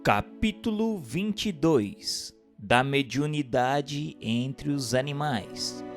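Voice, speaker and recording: Expressive Brazilian male narrator, lively intonation. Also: medium pitch, takes it slowly, over music. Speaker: narrator reading a spiritist book. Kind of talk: scripted audiobook narration.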